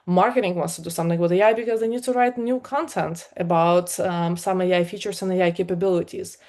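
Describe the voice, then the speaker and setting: A middle-aged woman from Ukraine with a Ukrainian accent, giving a conversational conference talk as a product leader, with many fillers and an energetic delivery. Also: on the low side, quick pace. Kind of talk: live talk to an online meetup.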